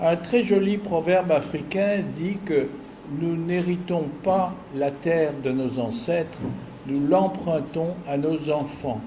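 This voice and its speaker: Amid noticeable background noise and audible room echo, a man with a Belgian accent speaks very slowly at a high pitch with ordinary pitch variation. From Belgium, Waterloo. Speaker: surgeon, conference speaker. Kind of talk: lecture.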